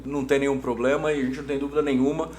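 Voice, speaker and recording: A man's voice: medium pitch, level tone, very fast, darkish tone. A middle-aged Brazilian man answering conversationally as an interview guest, enthusiastic and emphatic, often repeating his words. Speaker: interview guest, hotel business executive. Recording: roomy echo, audible background hum.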